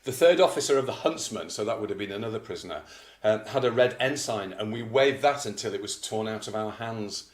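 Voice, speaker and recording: A man presenting and reading an old news article aloud in a measured, deliberate way, with casual commentary. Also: lowish voice, animated, roomy sound.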